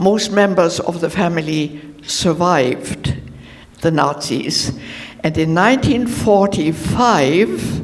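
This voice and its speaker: A woman with a German accent talks at a very slow pace in a fairly low pitch with lively intonation, with audible room echo and noticeable background noise. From Germany, Berlin. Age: 80s+. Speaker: audience member asking a question. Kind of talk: conference Q&A question. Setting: conference hall with audience. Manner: halting.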